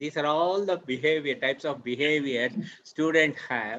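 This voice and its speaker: A man is speaking. He has an Indian accent. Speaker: yoga teacher. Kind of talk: interview answer.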